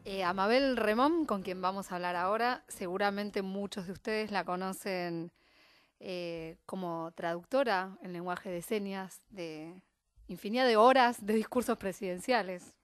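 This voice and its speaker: A woman's voice: mid-range voice, measured pace, clean tone, no room sound. A woman with an Argentine Spanish accent, a radio interviewer who introduces her guest in a friendly way and asks her questions in a studio.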